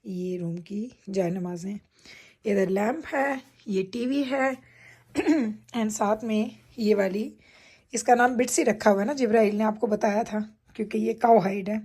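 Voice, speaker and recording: Breathy chatty woman vlogger. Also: medium pitch, measured pace, a little mellow. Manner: chatty, addresses viewers directly while showing things. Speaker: vlogger giving a room tour. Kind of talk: casual home vlog talk. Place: home bedroom at night, indoors.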